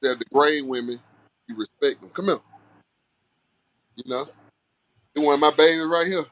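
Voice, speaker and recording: A man's voice: a little high, normal speed, fairly bright tone, no room sound, poor audio. A man from Alabama with a Southern Black American accent, chatting casually and earnestly in a folksy way as an interview guest. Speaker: music artist guest.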